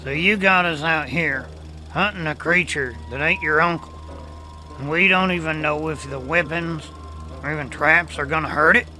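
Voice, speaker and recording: Man acting a bright, folksy Southern country fella. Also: a little high, moderate pace, faint music behind, rough recording. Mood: exasperated. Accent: American South. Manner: folksy, drawling, muddles words. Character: folksy rural Louisiana man, secretly a man-eating werewolf. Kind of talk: audio drama acting.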